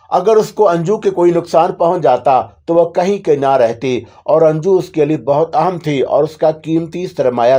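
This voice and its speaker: A man reading a scripted horror story in a steady, dramatic way. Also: a little high.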